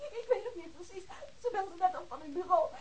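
A distraught wife in a radio play, her voice extremely high and tearful. She stammers in fear, with slight noise behind her. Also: animated, darkish tone. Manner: stammering, halting. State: crying, distressed. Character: distraught, frightened wife of a wounded policeman. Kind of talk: emotional Dutch radio drama acting.

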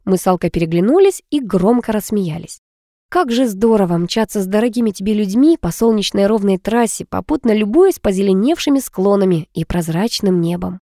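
A woman narrating a first-person story aloud, lively and teasing, with expressive dialogue. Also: mid-range voice, fairly quick, dry recording, studio quality. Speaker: audiobook narrator.

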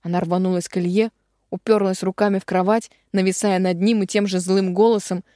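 Dark-voiced woman reading an audiobook. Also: medium pitch, fairly even intonation, dry recording, studio quality. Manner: dramatic, slowing down on heavy phrases. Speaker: audiobook narrator. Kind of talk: expressive audiobook narration.

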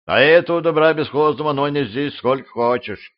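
A man voicing a gruff, commanding middle-aged boyar warrior in an audiobook, mocking and bold in manner. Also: on the high side, normal speed, pitched above the performer's own voice, close to an everyday voice. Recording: slightly dull lo-fi audio.

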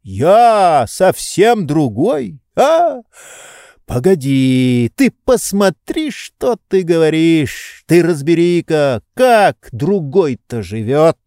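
A man's voice: a little high, big pitch swings, takes it slowly, a little mellow, dry recording, clean studio sound, voice pushed up, exaggerated voice. A man voicing a pampered, indolent nobleman who speaks in indignant, reproachful rhetorical questions. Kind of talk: audiobook character reading.

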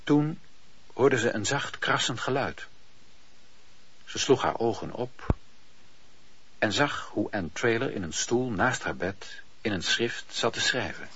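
A man with a husky voice narrating a Dutch radio play as a scripted storyteller. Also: mid-range voice, lively intonation, slow, long pauses, fairly bright tone. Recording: dull, muffled old radio-play recording.

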